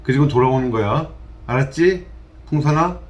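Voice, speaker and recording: A man's voice: mid-range voice, normal speed, far from the mic, natural voice. A man doing a coaxing little comic-strip girl.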